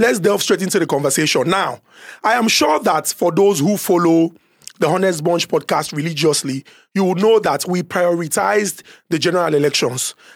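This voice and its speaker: A man speaks in an animated tone with a high pitch, ordinary pitch variation and a moderate pace, on a very clean recording with a silent background. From Nigeria. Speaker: podcast host. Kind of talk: casual panel discussion.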